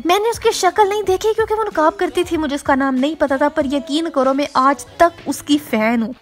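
A young woman telling comic school memories as a YouTuber, sarcastic and quick with exaggerated asides, in a voice-over. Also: high-pitched. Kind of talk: comedic storytelling monologue. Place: voice-over over gameplay footage.

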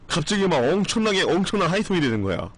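A male streamer talks loosely with his viewers in a strained voice that is still recovering. His pitch swings about in a lively way as he rambles, bluntly and with the odd curse. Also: fast talker. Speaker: live streamer. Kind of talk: casual live-stream chat.

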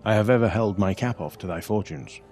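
An actor playing a scheming, bitter pirate captain in a Shakespearean audio drama, speaking with deliberate insistence. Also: male voice, fairly low pitch, gravelly, a little mellow, faint music behind. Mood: urgent. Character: scheming, bitter pirate captain urging treachery on his lord.

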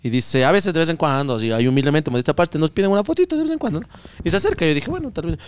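A man's voice: fairly high pitch, very fast, a little hiss or hum. A young Ecuadorian man with an Ecuadorian accent, co-hosting a podcast, telling stories in a casual, comic way and acting out voices, into a handheld mic in a studio set. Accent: Ecuadorian Spanish. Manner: animated, acts out voices in the story. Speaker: podcast co-host. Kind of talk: casual comedic storytelling. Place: studio set in a shop, indoors.

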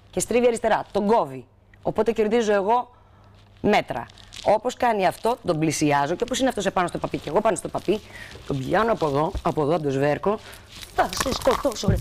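A woman's voice: mid-range voice, a little mellow. A woman from Greece, a talk show guest, telling anecdotes dramatically and acting out the people in them. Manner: dramatic, acts out the people in her stories.

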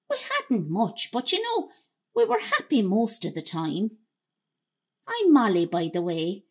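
A woman acts out an elderly Irish woman looking back on her life in a radio play. Her husky voice moves slowly and rises and falls with feeling. She is wistful and cheerful, chatting as if to a listener. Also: medium pitch, full character voice. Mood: reflective, then fond, cheerful. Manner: wistful, conversational storytelling. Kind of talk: radio drama monologue.

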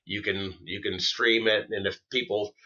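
A man talking casually as a podcast guest, soft-spoken and halting, with many fillers. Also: fairly low pitch, steady tone, dull audio. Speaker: guest musician and writer.

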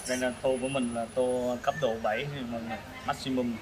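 A man hosts a casual food review from a noisy open-air restaurant. His pitch is average, and he talks haltingly between bites, searching for words and repeating himself. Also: flat delivery. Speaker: food vlog host. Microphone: camera across the table. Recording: noisy eatery ambience, traffic.

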